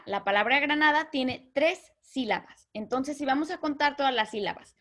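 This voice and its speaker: A woman teaching a literature lesson, patiently explaining terms and slowly counting out syllables. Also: high voice, fairly bright tone.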